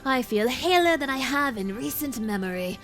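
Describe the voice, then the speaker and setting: Lady streamer doing a pompous theatrical inspector guy, kinda high, bouncy and showy. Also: animated, moderate pace, fairly bright tone, soft background music. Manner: grandiose, theatrical speech.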